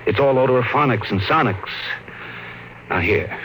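A man's voice: medium pitch, moderate pace, a bit bright, close to an everyday voice. An actor playing a soothing, dismissive husband and father in a 1950s radio drama, with a placating, patronizing manner. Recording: faintly noisy old radio recording.

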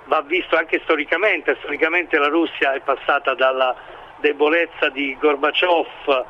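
A man with a slightly high voice answers as an expert commentator in an interview. He speaks haltingly, piecing together his analysis. The recording is a little dull, with faint noise behind him. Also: fairly even intonation. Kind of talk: interview analysis of current affairs.

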